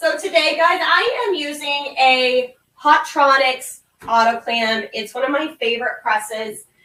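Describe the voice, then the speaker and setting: Raising and projecting her voice, a woman speaks in a high pitch with a bright, sharp tone and ordinary pitch variation. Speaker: webinar presenter demonstrating heat pressing. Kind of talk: live tutorial webinar. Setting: live webinar. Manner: casual, chatty.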